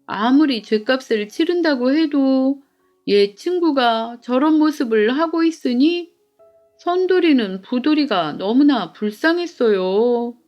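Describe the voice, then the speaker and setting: Slow, high-voiced woman telling bedtime folktales. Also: animated, highs cut off. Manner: gentle, deliberate storybook delivery with polite endings. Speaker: storyteller. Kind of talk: scripted bedtime folktale narration for children. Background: background music.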